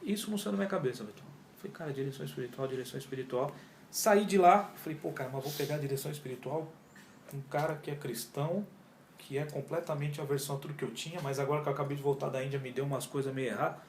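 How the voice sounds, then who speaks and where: A yoga teacher from Brazil, a man in his 40s, talks at a quick pace in a fairly high pitch, with slight background noise. Guesting in a casual interview, he tells his story with animation, reenacts his earlier conversations, and uses heavy slang. An echoey room adds faint ambience.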